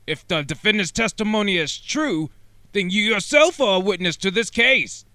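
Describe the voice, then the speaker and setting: A man in an English game fan dub playing a pompous, befuddled elderly judge with a creaky voice. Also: sits high, animated, moderate pace, pushed and bright, dry recording. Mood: stern.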